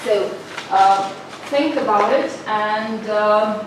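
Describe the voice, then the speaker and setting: A woman from northern Slovenia gives a seminar lecture, pausing often on filler sounds and inviting the audience to answer her questions. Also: mid-range voice. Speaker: guest lecturer. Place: lecture room. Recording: very echoey room, mic far off, noisy.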